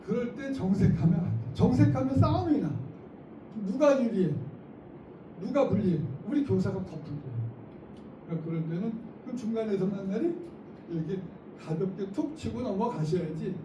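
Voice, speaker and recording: Lively man lecturing in an echoey hall. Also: sits high, normal speed. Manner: lively, acts out classroom lines, laughs often. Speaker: teacher trainer. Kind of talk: lecture to teachers. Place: school auditorium. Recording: echoey hall, mic from far off, noisy.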